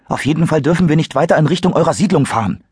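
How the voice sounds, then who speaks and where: A man's voice: on the high side, expressive, racing, darkish tone, husky, no echo, clean studio sound, pitched above the performer's own voice. A man reading an audiobook, voicing an anxious, insistent teenage boy on the run.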